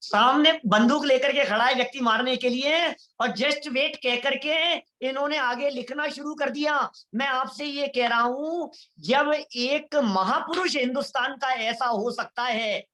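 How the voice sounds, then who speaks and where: A man's voice: very high-pitched, unhurried, few pauses, bright, forceful tone. A man giving a devotional Jain sermon, addressing listeners as "bhai sahab" and acting out quoted voices. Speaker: Jain lecturer. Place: online lecture series.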